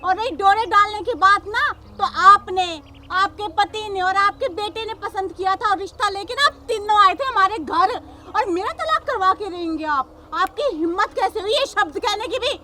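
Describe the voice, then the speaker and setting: A woman's voice: very high-pitched, moderate pace, hardly any pauses, sharp tone, slight background noise. A woman playing a defiant young daughter-in-law, a police officer, who lectures her mother-in-law combatively. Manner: combative, lecturing, repeats "samajh gaye".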